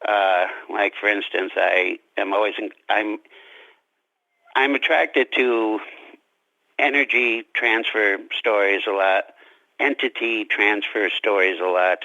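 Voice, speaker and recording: A man with a creaky, lowish voice and a bright edge talks as a guest author in a casual interview. He is reflective and halting, often rephrasing, on a slightly dull lo-fi recording. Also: steady tone, dry recording. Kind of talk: casual interview chat about his own story.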